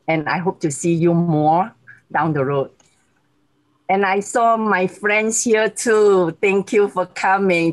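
A woman in her sixties with a Malaysian accent, speaking as a guest on a video call, warm and grateful, often laughing. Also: on the low side, rough recording. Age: 60s.

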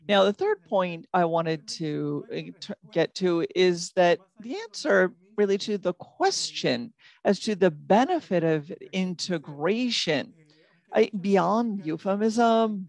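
A woman from Nicaragua giving measured, formal remarks as a panel speaker, occasionally halting and restarting. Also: lowish voice, gravelly, a little mellow. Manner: measured, slightly halting, policy-minded.

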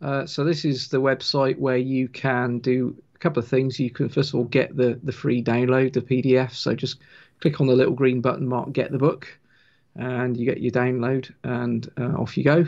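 Male, Wiltshire twang, gravelly creak, informal explainer, slightly muffled lo-fi call sound. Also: medium pitch, flat delivery, moderate pace, darkish tone. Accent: Wiltshire, English West Country. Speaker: guest author of a railway engineering book. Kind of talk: casual technical explanation on a livestream.

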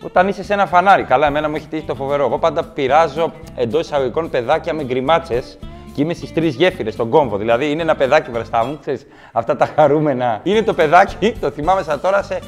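A man telling stand-up comedy stories, animated and switching into mock voices. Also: a little high, soft background music.

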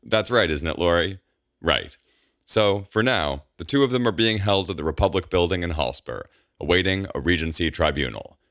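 A man playing a brisk, official-sounding newscaster delivering a clipped bulletin within an audiobook story. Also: low voice, animated, a bit bright, dry recording, studio quality, pitched above the performer's own voice. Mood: businesslike. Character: brisk television newscaster reporting on magical crime.

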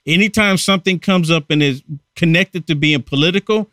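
Male talk host, emphatic and repetitive, somewhat high pitch, dry booth. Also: brisk, pushed and bright, no room sound. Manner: heated, emphatic, repeats himself. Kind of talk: political talk radio commentary.

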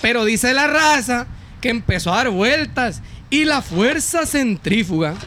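A man's voice: very high voice, expressive, a little slow, sharp tone, a little hiss or hum. A man with a Mexican accent casually telling a spooky local story on a podcast, slangy and jokey. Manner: slangy, jokey, laughs often. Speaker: podcast host.

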